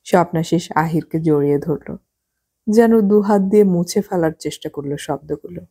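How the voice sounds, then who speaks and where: Low husky woman reading a novel. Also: moderate pace, mellow. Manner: shifts pitch for each character's lines. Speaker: audiobook narrator. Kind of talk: novel reading with acted dialogue.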